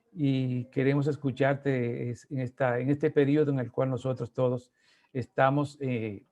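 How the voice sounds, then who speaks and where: Gravelly parish host. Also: male voice, medium pitch, warm tone. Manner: halting, many fillers and restarts. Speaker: parish host introducing the speaker. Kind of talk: formal welcome speech.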